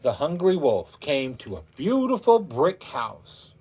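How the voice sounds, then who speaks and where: A man's voice: on the high side, sing-song, takes it slowly, mellow, husky. A man reading a children's story aloud in a theatrical way, drawing out words for emphasis and speaking directly to his listeners. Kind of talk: animated children's story narration.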